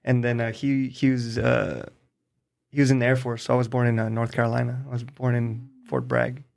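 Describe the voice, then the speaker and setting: A laid-back man talks casually as a guest on a podcast. His voice is gravelly and mid-pitched. He speaks in a flat, even tone, drifting from thought to thought. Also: fairly quick. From Mexico–US border, Nogales. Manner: relaxed, rambling, many "like"s. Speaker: podcast guest, singer-songwriter. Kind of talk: casual chat.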